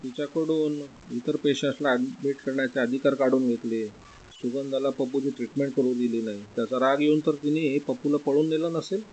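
A man reads a novel aloud as an audiobook, steady and even in his delivery. His pitch sits in a plain middle range, and a faint hiss runs under the recording. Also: brisk, lo-fi sound. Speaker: audiobook narrator. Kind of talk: scripted story narration.

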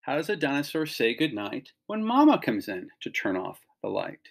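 Middle-aged man, gravelly, explaining to children. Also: mid-range voice, huge pitch swings, moderate pace. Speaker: teacher reading a picture book aloud to children. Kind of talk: instructional read-along talk, explaining to children.

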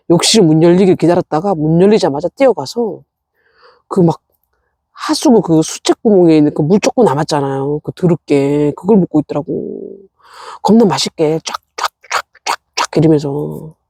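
A woman's voice: lowish voice, dark tone, breathy edge, no room sound, studio quality. A middle-aged woman in a casual vlog, chatting to her succulents and scolding herself as she tends them at her rural home. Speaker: succulent-growing vlogger. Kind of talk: casual chat while tending plants.

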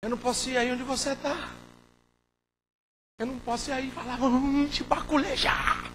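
Fervent high-voiced male preacher. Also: little pitch movement, fairly quick, over music. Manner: swings from quiet, intimate speech to fervent shouting. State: hoarse. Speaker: pastor. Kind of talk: sermon.

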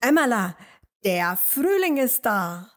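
Woman putting on an excitable, cheerful hare. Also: fairly high pitch, slow, pitched above the performer's own voice. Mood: excited. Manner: exclaiming, enthusiastic.

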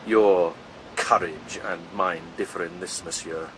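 An actor playing a proud, witty poet-soldier in a radio drama, speaking with eloquent, wry theatricality. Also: male voice, low voice, steady tone, measured pace, noisy background. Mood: proud, defiant.

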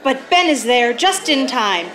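Casting: female narrator, thirties, high voice, dramatic radio-play read over loud music. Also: very animated, unhurried. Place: theater stage. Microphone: stand microphone.

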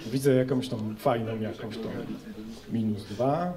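A man's voice: medium pitch, fairly even intonation, a little slow, a crowd in the background. A young man performing an ironic, conversational stand-up comedy monologue on stage into a handheld mic. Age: young adult. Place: student club stage in front of an audience. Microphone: handheld microphone.

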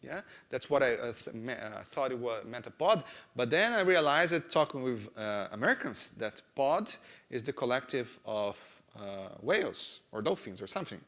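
A man's voice: mid-range voice, normal speed. A man in his thirties from Brazil with a Brazilian Portuguese accent, presenting a technical talk on a conference stage, gesturing a lot and often checking in with "right?". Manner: animated, gestures a lot, frequent "right?" and "uh" fillers. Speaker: conference speaker. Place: large conference hall stage.

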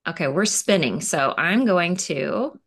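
This woman's lowish voice is expressive and unhurried, gravelly and slightly rough. In her forties, she's a picture book author on a video call with children, reading aloud and chatting casually in a room with bookshelves.

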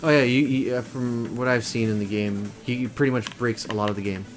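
A man streaming a video game live, chatting and reacting out loud as he plays. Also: fairly low pitch, fairly even intonation, brisk. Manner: chatty, reacting aloud with frequent laughs. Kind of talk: live gameplay commentary. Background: game music.

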